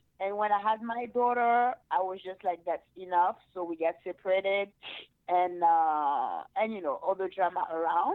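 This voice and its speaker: In a French accent, a woman speaks with ordinary pitch variation. Her pace is moderate. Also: medium pitch for a woman. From France. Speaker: caller. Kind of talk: call-in advice conversation. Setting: phone call. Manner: halting.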